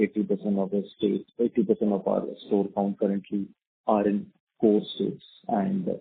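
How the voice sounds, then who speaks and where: A man with a creaky, husky voice. He asks a business question as an analyst on a conference call. The audio has a thin telephone sound. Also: fairly low pitch. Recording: narrow muffled phone line.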